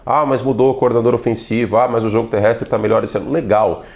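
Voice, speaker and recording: A middle-aged man from São Paulo with a neutralized accent, hosting a solo football commentary video in an animated, playful, chatty way with lots of asides. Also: medium pitch, quick pace, vocal fry. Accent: neutralized São Paulo Portuguese. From São Paulo, Brazil. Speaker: NFL analyst and channel host.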